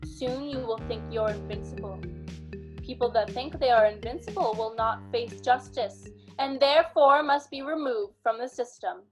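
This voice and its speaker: High-pitched, coldly righteous vigilante judge played by a woman. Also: over music, lightly acted. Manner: grandiose, deliberate, preaching. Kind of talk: radio drama acting.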